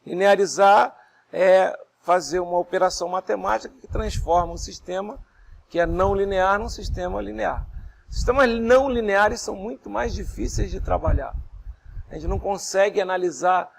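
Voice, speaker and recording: A hoarse male lecturer teaching a class. He goes step by step, asks his students questions, and speaks softly with pauses for breath. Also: high-pitched. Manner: speaks softly and not fast, pausing to breathe. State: hoarse, voice strained after illness. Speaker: university lecturer.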